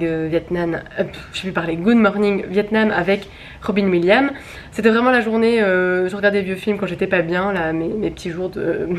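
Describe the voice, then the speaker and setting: A woman's voice: mid-range voice, slight background noise. A young woman chatting casually in a home vlog, rambling with many fillers and restarts. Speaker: vlogger.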